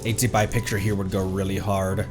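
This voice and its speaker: A man's voice: low-pitched, little pitch movement, a little fast. A man streaming a video game, chatting casually and thinking aloud as he plays. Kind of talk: casual livestream game commentary. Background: faint game music.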